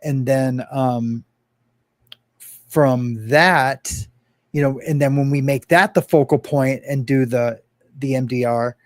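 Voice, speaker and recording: A man speaking as an interview guest in casual talk, earnest and open, halting with many fillers and restarts. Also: medium pitch, steady tone, dry recording, studio quality. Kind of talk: casual interview talk about personal experience.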